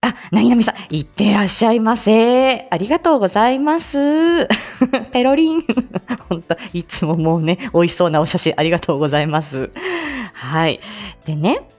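A woman's voice: medium pitch, a little mellow. Woman, live-stream host, casual chat, hesitant fillers, light laughs, faint background music. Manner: chatty, fills pauses with "ano", laughs lightly, greets listeners by name.

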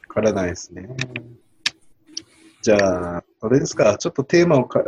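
A man co-hosting a casual podcast chat, joking and animated, sometimes acting out rude voices. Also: lowish voice, brisk, highs cut off, noisy background. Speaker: podcast co-host.

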